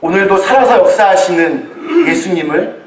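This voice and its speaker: A man preaching a sermon as a pastor to a congregation, telling it in deliberate phrases with pauses. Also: high-pitched, animated. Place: large echoey room, church service. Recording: echoey hall, distant microphone.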